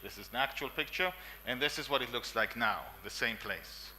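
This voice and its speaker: A man's voice: medium pitch, moderate pace, sharp tone, poor audio. A man in his forties with an Israeli accent, giving an emphatic conference talk with fillers and coughs in a meeting room. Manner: emphatic, repeats lists, frequent coughs and fillers. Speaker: conference speaker.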